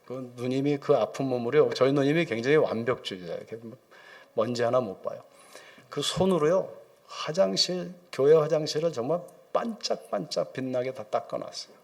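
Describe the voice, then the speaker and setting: A man's voice: mid-range voice, lively intonation, fairly quick, vocal fry, darkish tone. Middle-aged korean preacher man telling a story from the pulpit, acts out everyone's lines, some english mixed in. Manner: vivid storytelling, acting out quoted voices, mixing in English phrases. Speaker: preacher, Old Testament professor. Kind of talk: sermon storytelling. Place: church sanctuary.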